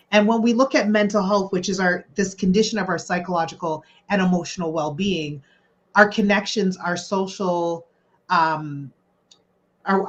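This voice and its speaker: Chatty woman on dull, lo-fi audio. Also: medium pitch. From Canada. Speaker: guest mental health expert, social worker. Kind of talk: informal talk to an audience. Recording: dull lo-fi sound.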